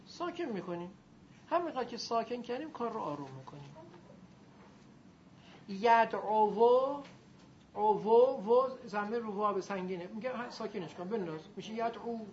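A woman teacher giving a grammar lecture to a class, lively and drilling her students in call-and-response. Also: medium pitch. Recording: muffled recording with faint noise.

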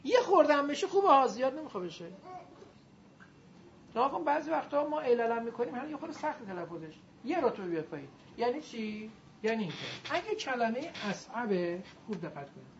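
A woman teacher giving a grammar lecture to a class, lively and drilling her students in call-and-response. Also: fairly high pitch. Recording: muffled recording with faint noise.

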